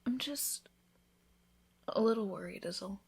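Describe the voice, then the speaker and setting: A woman voicing an affectionate, teasing newlywed vampire in an intimate, soft-spoken ASMR roleplay, with tender, breathy delivery. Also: medium pitch, lively intonation, measured pace, exaggerated voice. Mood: worried, tender.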